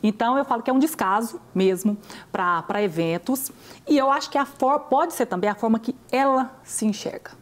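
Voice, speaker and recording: A woman's voice: a little high, normal speed. A Brazilian woman hosting a talk show, chatting casually and giving her opinion. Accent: Brazilian Portuguese. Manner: brief agreeing interjections, then opinionated. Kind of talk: casual chat.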